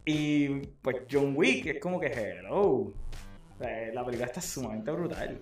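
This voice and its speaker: Man, podcast host, animated casual chat, echoey room. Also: mid-range voice, moderate pace. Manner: animated, mixes English phrases into Spanish. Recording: roomy echo with faint music.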